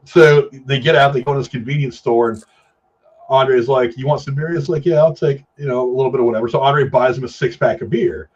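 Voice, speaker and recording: A man's voice: mid-range voice, a little fast, darkish tone, lo-fi sound. A man co-hosting a casual film chat, telling rambling anecdotes in slangy, profane language. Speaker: podcast co-host.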